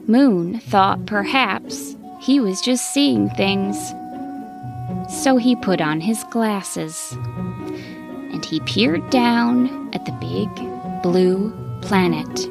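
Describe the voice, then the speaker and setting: A woman storyteller narrating a children's bedtime story expressively, in deliberate short phrases with dramatic pauses. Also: medium pitch, gravelly. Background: music.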